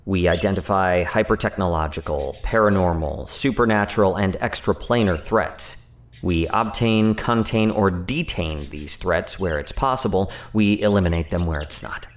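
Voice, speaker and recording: An actor playing an earnest, wary scientist from a secretive agency in an audio drama, formal and explanatory. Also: male voice, deep voice, normal speed, a little hiss or hum, close to an everyday voice. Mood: matter-of-fact.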